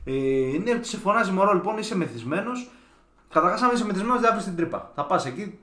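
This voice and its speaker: A man co-hosting a podcast, reading out listener messages with loud, crude, jokey banter. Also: high voice, big pitch swings. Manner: loud, swearing, laughing, jokey. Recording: echoey room.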